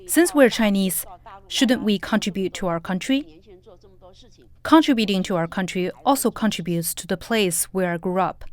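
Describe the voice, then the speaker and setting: A woman reading an English voice-over translation with a steady, even delivery. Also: mid-range voice. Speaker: interpreter voice-over.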